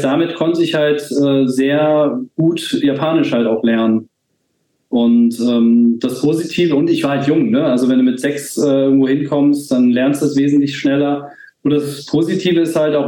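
Man, forties, from Germany, casual podcast guest, halting speech with fillers, mellow tone, echoey room. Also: medium pitch. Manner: hesitant, many fillers and restarts. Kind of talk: casual conversation.

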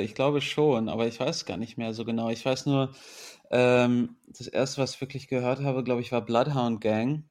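A man from Berlin, a musician guest, talking casually with pauses and repeated words. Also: mid-range voice. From Berlin, Germany. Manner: easygoing, hesitant, repeats words. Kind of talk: casual chat.

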